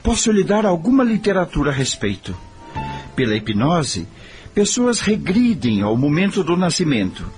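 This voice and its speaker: An actor playing an idealistic middle-aged Brazilian husband in a radio soap, speaking in an earnest, didactic, persuasive way. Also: male voice, fairly high pitch, big pitch swings, normal speed, faint music behind. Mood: explaining.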